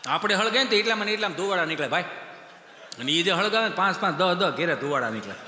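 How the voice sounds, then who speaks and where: A man's voice: high voice, rapid-fire, a little hiss or hum. A male comedian with a Kathiawadi Gujarati accent, telling rustic comic stories on a live stage. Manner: animated storyteller, rustic dialect banter. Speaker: stand-up comedian. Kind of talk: folk stage comedy storytelling. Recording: echoey hall, live stage PA.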